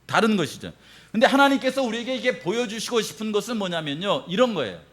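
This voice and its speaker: A middle-aged man preaching a sermon as pastor, animated, acting out quoted reactions and laughing often. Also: high voice, fast talker.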